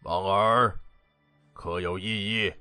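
A man's voice: low-pitched, fairly even intonation, slow, bright, forceful tone, soft background music, heavily acted. An actor playing a stern, wrathful king of an ancient realm, commanding and imperious, in an audio drama.

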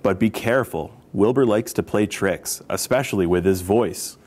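A man's voice: on the low side, moderate pace, darkish tone, lightly acted. A man voicing a friendly, easygoing male elephant leader in a children's storybook, teasing and advising kindly. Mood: amused, advising.

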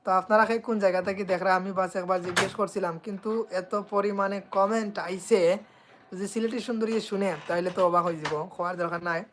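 A woman with a Sylheti accent, a singer guesting on a live stream, excitedly reading out viewers' comments and where they are watching from. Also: mid-range voice, fast, a little hiss or hum. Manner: reads viewers' comments and places aloud, excitable. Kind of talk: casual live-stream chat.

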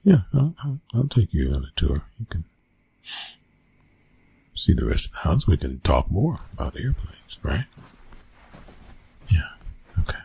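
A man playing a flustered, awkward young college bully in a one-sided ASMR roleplay, stammering and evasive, with a husky, gravelly voice. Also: deep voice, very animated, measured pace, long pauses, mellow, exaggerated voice, low-quality recording. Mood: shyly friendly. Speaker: roleplay audio performer.

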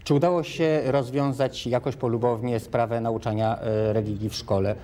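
A man's voice: mid-range voice, fairly even intonation, moderate pace, mellow, a little hiss or hum. Young male host, hesitant questions. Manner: hesitant questions with many "e" fillers. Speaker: talk show host. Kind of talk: studio interview. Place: television studio.

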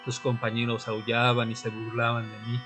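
Male actor as haunted vampire, medium-high male pitch, solemn, deliberate, dramatic radio drama narration, faint music bed. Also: completely flat delivery, natural voice. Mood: grim, anguished. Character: Fernando, tormented newly turned male vampire recounting his death. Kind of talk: dramatic first-person audio drama narration.

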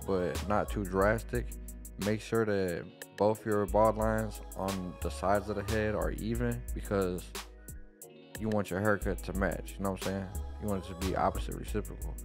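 Young man, barber, laid-back tutorial voice-over, low voice, faint guitar music underneath. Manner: laid-back, plain instructional talk. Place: small dim room at home. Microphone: studio microphone on boom arm.

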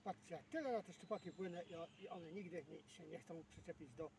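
His voice is a touch high with a darkish tone and a slightly quick pace: a sixty-something Polish fishing vlogger in a boat on open water. He rambles casually to camera and mutters self-deprecating asides to himself, recorded from afar outdoors with obvious background noise.

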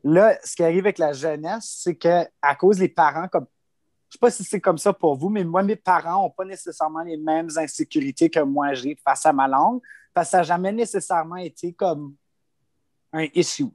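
A man's voice: on the high side, normal speed, darkish tone, dry recording. A man with a Franco-Ontarian French accent, talking casually as a panelist and leaning on lots of informal fillers. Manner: loose and informal, full of "tu sais" and "comme".

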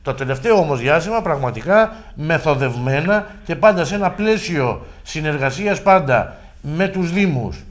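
A middle-aged man speaks as a regional official in a local television interview. He argues forcefully and puts rhetorical questions to his listeners. His voice sits a little higher than most men's. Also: lively intonation. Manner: emphatic, argumentative, with rhetorical questions. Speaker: regional deputy governor.

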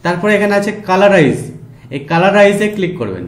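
A man with a Bengali accent giving a slow, step-by-step software tutorial with frequent fillers. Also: high-pitched, very animated, roomy sound. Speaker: tutorial host. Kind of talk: screen-recorded software tutorial.

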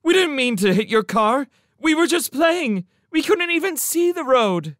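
A man's voice: mid-range voice, huge pitch swings, slow pace, a bit bright, dry recording, clean studio sound, pitched above the performer's own voice, full character voice. A man voicing a frightened but defiant young girl who pleads, in a dramatic audiobook reading. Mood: desperate defiance.

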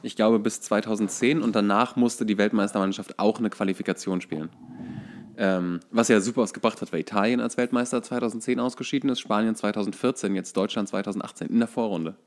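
A man with a German accent and a fairly low voice talks casually as a podcast co-host. He often pauses and searches for his words while explaining his view in a football chat. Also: fairly even intonation.

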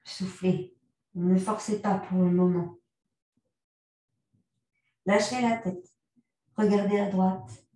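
A yoga teacher with a mid-range voice guides a class, offering calm, unhurried cues timed to the breath. The room is very echoey and the mic sits far away.

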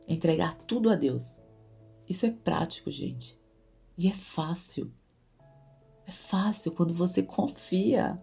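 A woman's voice: deep voice, creaky. A woman giving an earnest devotional teaching to other women, repeating words for emphasis. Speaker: Christian women's devotional host. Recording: soft guitar music behind.

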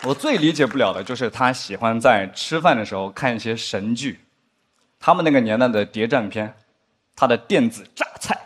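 A man performing a stand-up comedy set on a studio stage, acting out drama scenes with big pitch swings. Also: lively intonation, fairly quick, husky, a faint crowd. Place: studio stage with live audience.

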